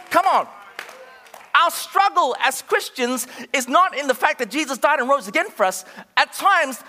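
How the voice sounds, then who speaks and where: A man preaching a sermon as pastor, impassioned, with shouted peaks and calls to the congregation. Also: extremely high pitch. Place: church auditorium. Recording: reverberant church hall.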